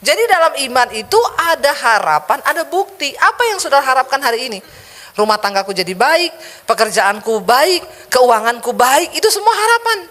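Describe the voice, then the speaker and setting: A woman pastor preaching, telling a personal testimony in an animated, storytelling manner. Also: sits high, moderate pace. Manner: animated storytelling, vivid sound effects. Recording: echoey hall reverb.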